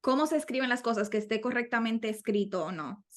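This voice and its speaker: Woman cohost chiming in on test tips, bit high voice, lots of um and eh as she thinks. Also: fairly quick. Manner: thinks aloud, with frequent fillers and restarts. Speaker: podcast co-host. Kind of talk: conversational explanation of exam tips.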